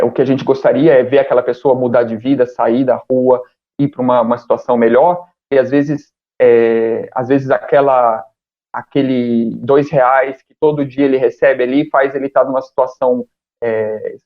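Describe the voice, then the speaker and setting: A man, speaking as a podcast guest, thinking aloud with frequent pauses and fillers. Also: mid-range voice, steady tone. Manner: thoughtful, hesitant, many fillers. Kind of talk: casual conversation. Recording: dull lo-fi sound.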